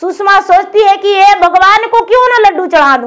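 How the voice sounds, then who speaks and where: A woman speaks against a quiet background. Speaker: religious storyteller. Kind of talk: devotional story narration.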